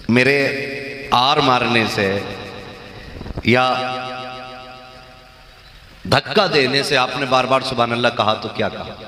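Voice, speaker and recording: A man's voice: medium pitch, fairly bright tone. Man preaching to a crowd, echoey hall. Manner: banters with the crowd and calls out slogans for them to answer. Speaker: religious speaker. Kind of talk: sermon to a live gathering.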